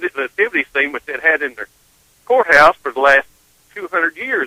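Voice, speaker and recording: With an Arkansas accent, a man's pitch swings very widely in a dry, close recording that has no echo. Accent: Southern US (Arkansas). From northeast Arkansas (Jonesboro). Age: 60s. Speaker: radio caller. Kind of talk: call-in radio talk show. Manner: halting.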